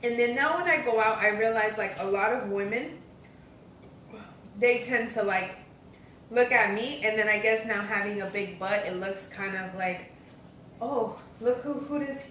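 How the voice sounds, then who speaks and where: Bright-voiced woman vlogger in an echoey room. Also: medium pitch, moderate pace, a little hiss or hum. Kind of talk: casual storytelling chat. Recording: echoey room, mic at a distance.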